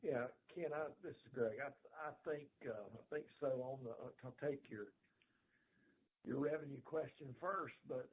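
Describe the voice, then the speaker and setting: A middle-aged man, a company executive answering analysts on a conference call in a folksy, hedging, halting way. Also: medium pitch. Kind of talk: unscripted earnings call answer. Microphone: telephone conference call. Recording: narrow phone line with clear noise.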